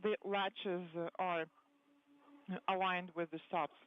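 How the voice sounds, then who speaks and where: A man interpreting crew talk live over a tinny space-to-ground radio loop, halting and full of fillers. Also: high voice, flat delivery, clear, resonant tone. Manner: halting, with frequent fillers and restarts. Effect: tinny space-to-ground radio, like a communicator. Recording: thin phone-like radio channel with faint hiss.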